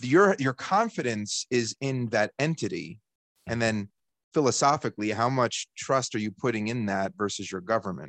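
An ordinary speaking voice from a man with an American accent, medium in pitch and moderate in pace, recorded dry and close with no echo over a quiet background. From New Jersey. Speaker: podcast co-host, marketer. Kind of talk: casual chat.

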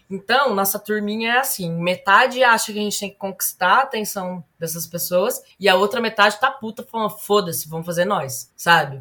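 Speaking in an unremarkable speaking voice, a woman with medium pitch and lively intonation keeps a moderate pace with hardly any pauses. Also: big swings in loudness. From Ribeirão Preto, São Paulo state, Brazil. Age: 30s. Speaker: queernejo musician. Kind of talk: casual interview chat.

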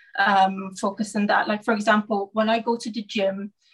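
A somewhat breathy voice with fairly even intonation. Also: woman. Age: 20s. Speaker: personal trainer. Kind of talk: interview.

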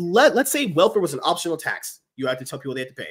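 A man's very fast speech with very wide pitch swings. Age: 20s. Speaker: podcast host. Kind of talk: casual chat.

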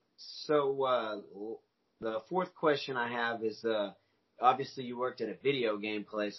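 A man of medium pitch speaks at a moderate pace in an unremarkable speaking voice. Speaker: YouTube interviewer and toy collector. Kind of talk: casual chat. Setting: video call.

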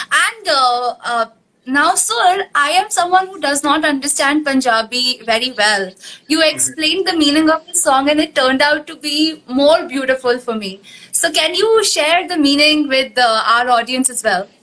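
Over noticeable background noise, a woman with an Indian accent talks at a moderate pace in a raised, projected voice with high pitch and lively intonation. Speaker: podcast host. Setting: video call. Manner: animated.

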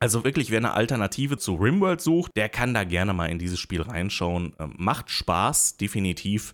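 A man with a fairly low pitch and lively intonation talks at a moderate pace with hardly any pauses, on a very clean recording with a silent background. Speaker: strategy games podcast host and streamer. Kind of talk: casual chat. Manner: relaxed.

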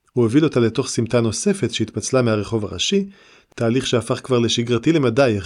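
Reading aloud in a natural voice, pitch shifting in an ordinary way.

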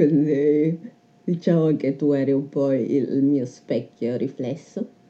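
A woman talks at a very slow pace in a very deep, low voice with a dark, mellow tone and ordinary pitch variation. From northeast Italy, Trieste/Monfalcone. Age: 20s. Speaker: architect. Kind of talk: interview conversation.

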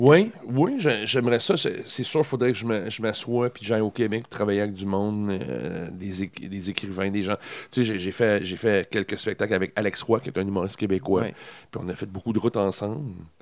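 With a fairly low pitch, a man uses a normal speaking voice at a moderate pace with ordinary pitch variation. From northern Ontario, Canada. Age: 40s. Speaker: comedian and singer-songwriter. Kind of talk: casual chat. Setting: at the host's home, over a beer.

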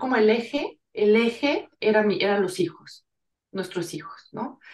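With a Mexican accent, a woman speaks at a fairly slow pace, her fairly high pitch carried by lively intonation. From Mexico. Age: 40s. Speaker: emigrant mother. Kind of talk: interview. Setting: video call.

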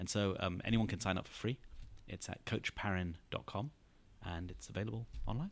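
This man has an unremarkable speaking voice with a fairly low pitch. He talks at a fairly quick pace with ordinary pitch variation. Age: 30s. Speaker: tech executive and venture partner, career coach. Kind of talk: interview.

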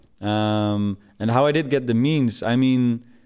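In a very clean recording with a silent background, a man speaks with a Dutch accent. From Netherlands, Utrecht. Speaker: music producer. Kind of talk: casual chat.

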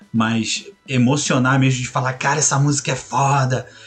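This man's voice is somewhat breathy, sitting at a medium pitch with ordinary pitch variation. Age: 30s. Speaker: podcast co-host. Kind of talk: casual chat. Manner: animated.

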